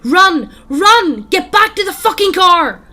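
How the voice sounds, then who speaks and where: A woman voicing a panicked young man who sobs and shouts in terror while telling a horror story. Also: extremely high pitch, very animated, slow pace, voice pushed up, full character voice. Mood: shouting panic.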